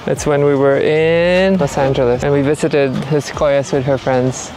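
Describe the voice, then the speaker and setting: A woman chatting casually as a car vlogger, her voice slightly hoarse. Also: low-pitched, fairly even intonation, normal speed, rough recording. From Philippines. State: slightly hoarse, jet lagged. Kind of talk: casual vlog chat. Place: outdoors and in cars, on the move. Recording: clear outdoor and traffic noise.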